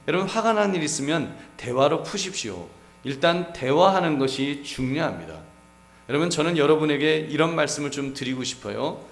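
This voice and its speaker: A middle-aged male pastor delivers a sermon, talking straight to the congregation and acting out little scenes of dialogue. His voice sits in a middle register and rings around a roomy church hall. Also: medium pitch. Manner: addresses the congregation often, acts out quoted dialogue. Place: church sanctuary.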